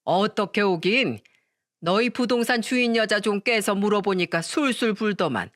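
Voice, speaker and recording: A woman's voice: medium pitch, a bit bright, dry recording, close to an everyday voice. A pushy old mother-in-law, as a woman reads her, wailing and carrying on in a storybook tale. Her delivery is plain and dry, close to the mic. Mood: bossy. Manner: wailing, theatrical complaining.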